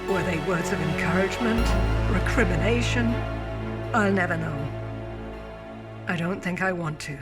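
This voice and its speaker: A male actor plays the weary captain of a doomed mining ship in a science fiction audio drama. His voice sits high for a man and carries solemn, formal grief. Music plays clearly underneath. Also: normal speed, pauses often, natural voice. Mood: grieving, sombre. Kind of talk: dramatic sci-fi audio drama, log narration.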